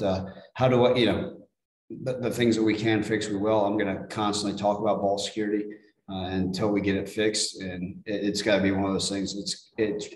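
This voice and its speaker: Brief: middle-aged male coach, low steady voice, flat delivery, roomy press-room sound. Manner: plain-spoken, repeats words when restarting. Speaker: head football coach. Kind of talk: post-game press conference.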